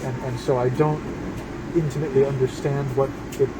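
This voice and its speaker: Reflective man, mid-pitched, noisy recording. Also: level tone. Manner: measured, reflective, pauses mid-sentence. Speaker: interview guest. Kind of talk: casual conversational interview. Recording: noisy, air conditioning and vehicle rumble.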